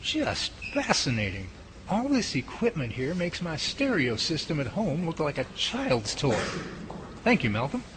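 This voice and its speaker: A flustered new team leader, played by a man, stammering and lively, his fairly high voice leaping up and down. Noticeable hiss sits under the recording. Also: unhurried. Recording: noisy home-made audio drama.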